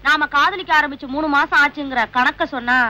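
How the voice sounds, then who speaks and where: Bright young woman, prodding lover. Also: high-pitched, a little fast. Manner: teasing, prodding questions. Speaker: girlfriend. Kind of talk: film comedy dialogue.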